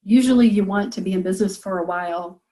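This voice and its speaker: A woman's voice: medium pitch, fast, dark tone, poor audio. A woman business coach leading a group coaching call, encouraging and thinking aloud with frequent fillers.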